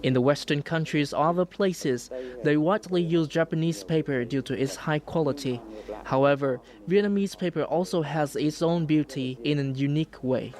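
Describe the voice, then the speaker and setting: Male interviewee, considered comments, slightly high pitch. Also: normal speed, darkish tone.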